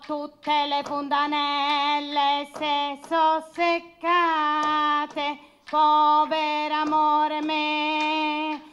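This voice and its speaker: A cheeky, lovesick male clown from a puppet show, squeaky and shrill. The voice is high and piercingly bright, with a southern Italian accent. The words are stretched out slowly in a theatrical singsong. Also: highs cut off, heavily acted. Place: puppet booth on a theatre stage.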